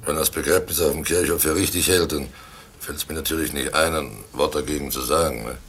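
A very deep, gravelly domineering innkeeper. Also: male voice, steady tone, a little fast, a bit bright, slight background noise. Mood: falsely jovial. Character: guilty village innkeeper, domineering and slyly jovial. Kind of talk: German radio play acting.

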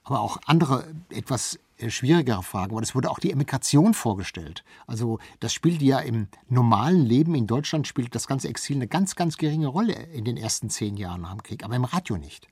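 A man's voice: medium pitch, lively intonation, brisk, few pauses, a little mellow, husky, no room sound. A man speaking as an expert guest in a conversational interview, explaining and repeating words for emphasis.

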